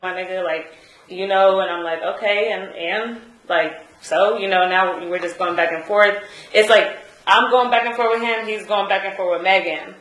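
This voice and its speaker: A woman's voice: medium pitch, normal speed, fairly bright tone, reverberant, low-quality recording. A woman giving hesitant courtroom testimony, full of fillers and restarts. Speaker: trial witness.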